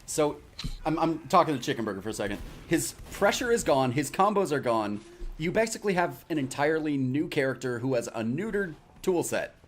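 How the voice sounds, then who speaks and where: A man's voice: on the high side, very animated, brisk, a little hiss or hum. A man in casual voice chat while gaming, joking and teasing. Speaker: gamer chatting while playing.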